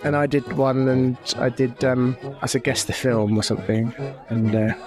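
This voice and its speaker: A man's voice: mid-range voice, fairly even intonation, normal speed, music in the background. A man co-hosting a casual podcast chat, playful and announcing segments like a game show. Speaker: podcast co-host.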